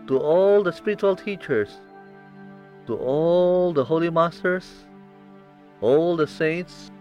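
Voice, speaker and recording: A man with an Asian accent leads a guided meditation as its master. His voice sits a little high and moves slowly, in reverent, deliberate phrases with soft music underneath. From Philippines.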